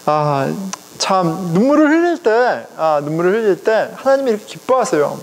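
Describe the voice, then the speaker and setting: A middle-aged man, a pastor, preaching a sermon in a conversational, animated way, speaking directly to his congregation. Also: high-pitched, normal speed. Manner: conversational, animated, chuckles often, addresses congregation. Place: church sanctuary. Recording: long reverb of a church hall.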